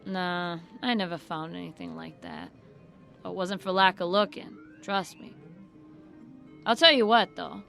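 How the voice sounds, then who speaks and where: An actress playing a flippant, irreverent former employee in an audio drama, blunt and offhand, with folksy colloquial speech. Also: female voice, lowish voice, steady tone, unhurried, gravelly, a bit bright, faint music behind. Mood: offhand, wary. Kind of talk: audio drama acting as interview guest.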